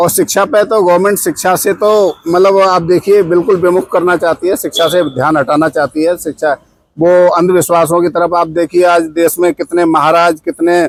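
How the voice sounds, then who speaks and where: A man's high-pitched voice at very even loudness, dry and close with no echo, music in the background. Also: hardly any pauses. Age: 60s. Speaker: protest participant. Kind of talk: street interview. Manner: animated.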